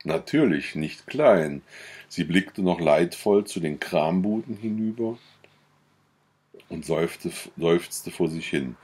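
Male literary narrator, deep and husky, steady pace. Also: slow. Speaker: audiobook reader.

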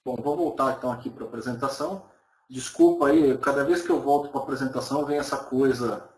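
A man's voice: mid-range voice, fairly even intonation, brisk, darkish tone. A man in his thirties giving an online lecture from a small room, talking casually and often checking in with his listeners. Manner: conversational, frequent tag questions, hedged personal opinion. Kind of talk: live webcam lecture answering viewer questions. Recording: roomy webcam audio.

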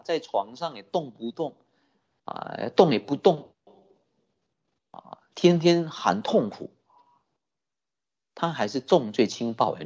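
A Buddhist dharma teacher telling a story in a sermon, animated, often asking the listeners questions. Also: medium pitch, breathy edge, lo-fi sound. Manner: animated, many rhetorical questions to the audience.

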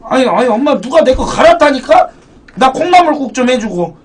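A man's voice: extremely high pitch, big pitch swings, brisk, heavy background noise. A man putting on a hungover young son who whines, confused, at his mother. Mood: whiny. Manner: drawling, whining. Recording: distant mic, background music.

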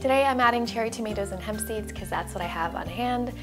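A woman's voice: medium pitch, fast talker, over music. Woman narrating a cooking tutorial. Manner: clear, instructive, step-by-step. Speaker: cooking channel host. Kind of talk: recipe voice-over narration.

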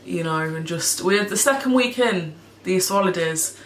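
A woman's voice: lowish voice, expressive, normal speed. Chatty woman with a froggy throat. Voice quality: a bit hoarse, froggy throat. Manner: chatty, rambling, swears casually, laughs often. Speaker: cleaning vlogger. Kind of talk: casual chat to camera. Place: home kitchen, indoors. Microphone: camera in front of her at table height. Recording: echoey kitchen with background noise.

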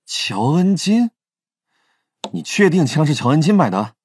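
An actor playing a teasing, confident young police team leader in an audio drama. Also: male voice, fairly high pitch, sing-song, unhurried, darkish tone, a little hiss or hum. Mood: brisk, commanding. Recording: faint music under the voice.

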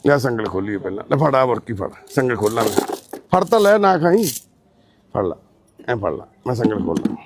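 A man with a Punjabi accent who volunteers at a care shelter, gently and repeatedly coaxing another man as his brother and explaining to the camera. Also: mid-range voice, sing-song, normal speed, noisy background. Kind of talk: coaxing talk and narration to camera.

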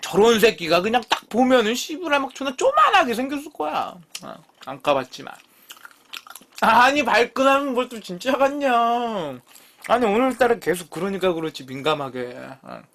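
Lively, foul-mouthed young Korean streamer man. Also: very high-pitched, moderate pace, background noise. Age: 30s. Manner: swears freely, teasing and bickering with chat; lively, jumps between mumbling and loud outbursts. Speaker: live-stream eating show host. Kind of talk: casual live-stream chat with viewers.

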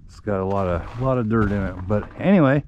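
A man's voice: on the low side, lively intonation, fast, dull audio, noisy background. A middle-aged man, giving a rambling, plain-spoken update while walking around his farmyard with an action camera. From central Iowa. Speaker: vlogger, farm shop owner. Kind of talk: casual walk-around update. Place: outdoors on a farmyard in winter, also inside a shop.

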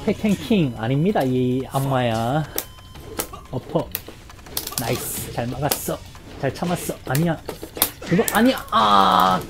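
A woman streaming her own fighting game match, calling the play and breaking into loud cries and laughs. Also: deep voice, expressive, slow, creaky, long pauses. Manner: reads viewer chat aloud. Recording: game music playing loudly behind.

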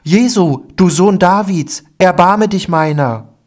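A man voicing a blind male beggar who cries out loudly and pleads to be healed, in a Bible audiobook. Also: high-pitched, measured pace, pitched above the performer's own voice. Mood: pleading cry.

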